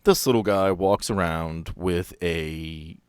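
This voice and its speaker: Game master, male, low register, relaxed improvised storytelling with playful touches, very dry studio-like sound. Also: takes it slowly, clean tone, no echo. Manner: playful, conversational. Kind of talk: casual improvised tabletop narration.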